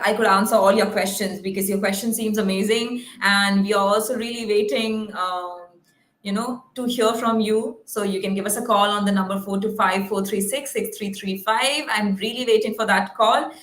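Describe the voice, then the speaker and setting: A woman's voice: medium pitch, a bit bright. A woman hosting an unscripted live call-in show in an informal, chatty way. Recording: roomy, echoing sound.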